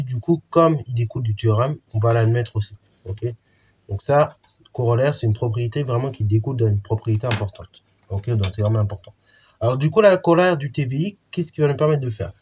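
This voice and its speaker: A man's voice: mid-range voice, darkish tone, slightly rough, lo-fi sound. Guy walking students through a math theorem, loose and chatty, lots of ums, medium voice. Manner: informal, lots of fillers and restarts. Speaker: math teacher. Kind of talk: explaining a math lesson.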